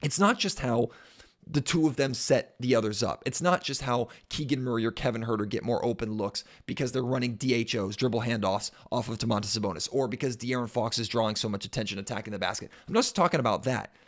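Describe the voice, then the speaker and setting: A man hosting a sports podcast, hoarse and congested from a cold, with a raspy voice, chatting casually and mocking himself now and then. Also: mid-range voice, fast talker. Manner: self-mocking, chatty, restarts sentences.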